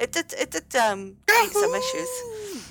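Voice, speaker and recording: Music runs underneath the recording. Over it, a woman talks. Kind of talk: casual group chat. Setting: live online show.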